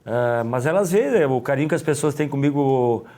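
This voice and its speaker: A middle-aged man with a Gaúcho Brazilian accent, a former footballer talking as an interview guest, rambling and halting with many restarts. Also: medium pitch, expressive, mellow. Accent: Gaúcho Brazilian Portuguese. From Rio Grande do Sul, Brazil. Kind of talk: casual interview.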